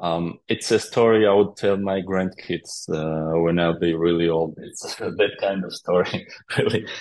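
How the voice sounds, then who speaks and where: This speaker has a Georgian accent. The pace is fairly slow. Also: man, very deep, low pitch for a man, fairly even intonation. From Georgia (country). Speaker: politician. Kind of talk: interview. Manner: halting.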